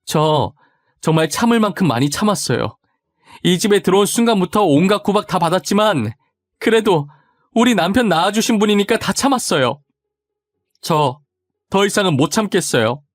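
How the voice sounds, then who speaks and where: Brief: man playing a frantic young wife and mother, pleading, insistent, voice raised higher, dry close sound. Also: animated, moderate pace, no echo.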